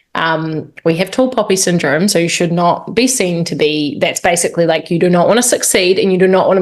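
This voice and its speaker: This voice has a New Zealand accent and a moderate pace. Its pitch variation is ordinary. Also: woman. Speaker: speaking coach. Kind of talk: interview.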